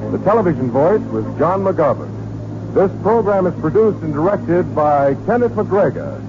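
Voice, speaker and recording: A man's voice: on the high side, expressive, moderate pace, noisy background. An American man announcing from a script in the style of 1940s radio. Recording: muffled old radio recording with music.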